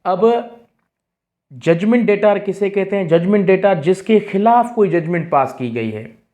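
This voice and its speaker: Speaking a little slowly in a high-pitched, animated voice with a dark tone, a South Asian-accented man teaches law for exam preparation. He reads definitions aloud, explains them in a didactic way, repeats important phrases and slips in English terms.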